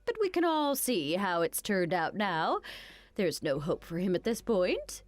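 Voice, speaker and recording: A woman voicing a cruel, greedy older mother-in-law who mocks and insults in an animated story. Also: mid-range voice, a little slow, no room sound. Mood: sneering. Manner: sneering, insulting, mocking.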